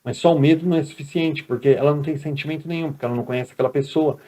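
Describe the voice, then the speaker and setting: Here a man with a Brazilian Portuguese accent teaches a recorded lecture, his fairly high voice steady and mellow but racing along. He talks casually and keeps checking in with the audience.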